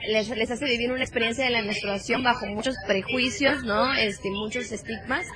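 A woman with a Mexican accent talks at a moderate pace, her pitch fairly high and her intonation fairly even. She hardly pauses, and there is noticeable background noise. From Mexico. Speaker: radio news host. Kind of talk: news reading. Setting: studio.

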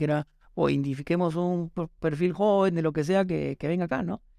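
In a dry, close recording with no echo, a man talks at a fairly quick pace with a fairly high pitch and a dark, mellow tone. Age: 30s. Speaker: mining engineer and startup co-founder. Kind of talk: interview. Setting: studio.

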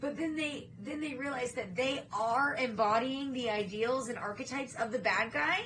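Animated in tone, a woman speaks at a high pitch and moderate pace with ordinary pitch variation, amid noticeable background noise and audible room echo. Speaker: podcast host, Marvel fan. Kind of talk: casual chat. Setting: home recording with ring light.

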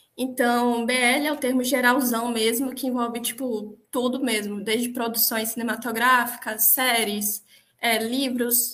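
A woman's high voice, bright and sharp in tone, comes at a fairly slow pace with hardly any pauses and a monotone, flat intonation, amid audible room echo. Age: 20s. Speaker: engineering student. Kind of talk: casual chat. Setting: video call.

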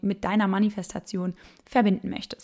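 The woman speaks in a dark, mellow tone with monotone, flat intonation. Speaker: podcast host and meditation guide. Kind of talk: guided meditation. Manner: slow, soothing, calm, gentle pacing; soft-spoken, dreamy.

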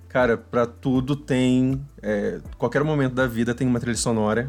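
An unremarkable speaking voice from a man, moderate in pace, medium in pitch, with ordinary pitch variation. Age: 20s. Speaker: podcast guest, trained in vocal technique. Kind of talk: casual chat.

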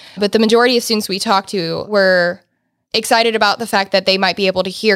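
On a very clean recording with a silent background, a woman with an American accent talks very fast at a medium pitch, her intonation fairly even. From US South, rural Georgia. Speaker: university student and sex education advocate. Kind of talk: interview.

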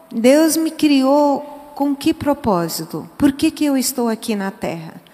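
Over music in the background, a woman speaks at a fairly slow pace with a high pitch. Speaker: missionary. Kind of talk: testimony. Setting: church.

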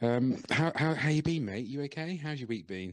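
Against a quiet background, a man speaks with a British accent. His pace is moderate and his intonation lively. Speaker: podcast host. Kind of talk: casual chat. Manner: soft-spoken.

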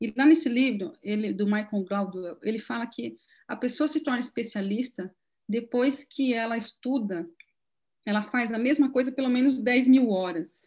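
A woman with a normal speaking voice, fairly high in pitch, with ordinary pitch variation at a moderate pace over a quiet background. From São Paulo state, Brazil. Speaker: former mayor and entrepreneur. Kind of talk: interview.

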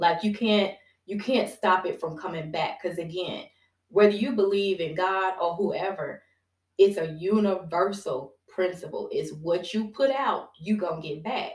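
A woman talks at a moderate pace with an American accent. She has an unremarkable speaking voice. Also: medium pitch for a woman, ordinary pitch variation. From US South. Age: 40s. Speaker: podcast host. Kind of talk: solo motivational talk. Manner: conversational, with frequent fillers.

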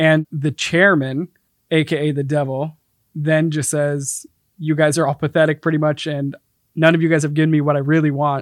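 Over a quiet background, a man talks at a fairly high pitch and moderate pace. The sound is dry and close with no echo, and his intonation is monotone and flat. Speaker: podcast producer. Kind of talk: casual chat. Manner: soft-spoken.

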